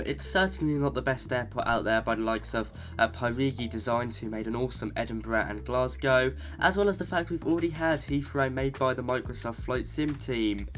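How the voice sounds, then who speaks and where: A man's voice: medium pitch, a bit bright. Congested man hosting sim news. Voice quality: slightly nasal, congested. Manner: chatty, enthusiastic, with asides. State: blocked up with a cold. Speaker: flight sim news host. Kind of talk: scripted news roundup.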